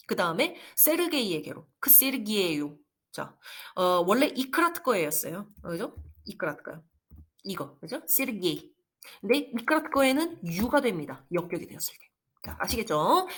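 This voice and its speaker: A woman teaches a language lesson with patient, step-by-step explanations, checking in with her listeners again and again. Her voice moves up and down a lot, with a mid pitch for a woman. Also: a bit bright. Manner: patient, checks in often with rhetorical questions. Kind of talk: online grammar lesson.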